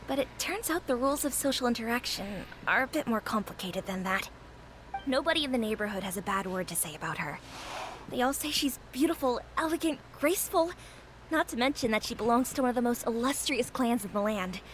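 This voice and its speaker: Brief: gossipy friendly shopkeeper in a game, bright high tone. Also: female voice, animated, fairly quick, a little hiss or hum, poor audio. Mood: chatty. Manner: chatty, confiding, gossipy. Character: friendly woman restaurant keeper, chatty and warm-hearted. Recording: game audio with music behind.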